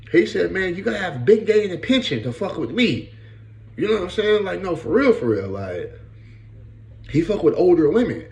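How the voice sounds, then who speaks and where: A podcast host in his late thirties, a man with a fairly high, darkish voice, offers blunt, profane, casual commentary, often saying "bro" and "you know what I'm saying." The audio is poor and reverberant.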